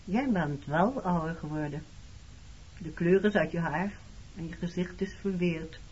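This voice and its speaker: A woman's voice: fairly low pitch, unhurried, a little mellow. An actress playing a guarded, pointed woman in her early thirties in a Dutch radio play. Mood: matter-of-fact. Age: 30s. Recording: dull lo-fi radio recording, clear noise.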